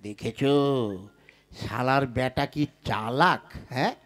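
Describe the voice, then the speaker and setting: A man voicing a hot-tempered village henchman who barks orders in rough slang in a comic puppet play. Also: mid-range voice, takes it slowly, fairly bright tone. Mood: indignant.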